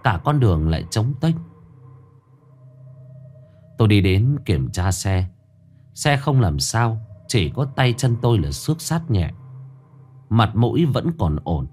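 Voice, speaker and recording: Low-voiced man telling a ghost story. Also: big pitch swings, slow pace, pauses often, darkish tone, slight background noise. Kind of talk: first-person ghost story narration.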